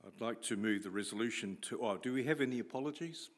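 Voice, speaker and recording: New Zealand man chairing a council meeting. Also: medium pitch. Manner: procedural, halting with fillers. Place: large council chamber. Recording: long reverb of a council chamber.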